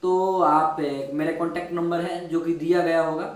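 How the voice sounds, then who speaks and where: A man who plays keyboard and teaches music chats casually with viewers between demos, checking in with them again and again. His voice is fairly high and flat, at a normal speed. The recording comes from an echoey room with a distant mic and keyboard music playing behind him.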